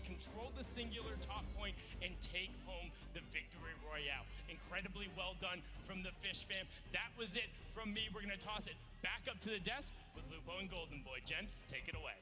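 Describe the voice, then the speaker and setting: A man recapping a match as an esports caster, energetic and hyping up the winners. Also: high-pitched. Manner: energetic, hyping the winning team. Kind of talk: play-by-play recap commentary.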